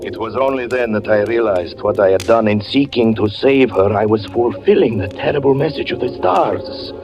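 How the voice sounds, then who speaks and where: Low-voiced man, brooding old-radio narrator, dull sound with music. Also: moderate pace. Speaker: narrator and fortune teller. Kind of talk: 1940s radio acting.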